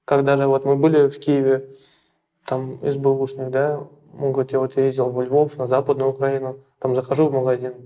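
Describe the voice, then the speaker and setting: A young man from Russia answering interview questions in a small plain room, halting and repeating words with many fillers. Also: mid-range voice, monotone, warm tone. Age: young adult.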